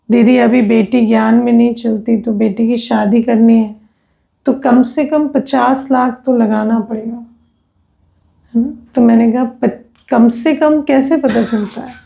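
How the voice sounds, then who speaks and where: Slow, gravelly-voiced woman teacher. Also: on the high side, darkish tone. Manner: conversational, tag questions, personal anecdotes. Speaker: spiritual teacher. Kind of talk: spiritual discourse.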